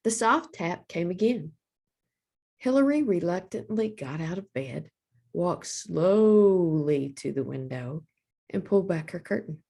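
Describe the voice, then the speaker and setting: A woman hosting storytime, reading a children's picture book aloud in a deliberate, expressive storytelling manner. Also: fairly low pitch, vocal fry. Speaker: storytime host, librarian.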